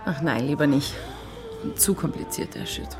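A woman's voice: low-pitched, normal speed, music in the background, natural voice. An actress playing a cool, sardonic woman in her thirties in a naturalistic radio drama, with a dry, blunt delivery. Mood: teasing, evasive. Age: 30s.

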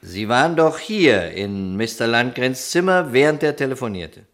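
An actor playing a police detective in a German crime radio play, questioning in a measured, polite, insistent way. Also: male voice, mid-range voice, expressive, a bit bright. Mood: quietly insistent. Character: calm, probing male police detective in a crime drama.

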